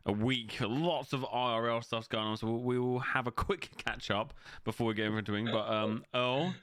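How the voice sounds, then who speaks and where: A man's voice: medium pitch, moderate pace, fairly bright tone, smooth, no echo, studio quality. A man co-hosting a casual gaming podcast, laughing often and swearing freely. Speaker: podcast co-host. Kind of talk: casual chat.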